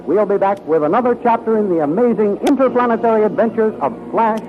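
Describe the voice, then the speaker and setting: A man's voice: high voice, fast, noisy background. A male announcer reading scripted narration in an emphatic, formal 1930s radio style on a muffled old recording.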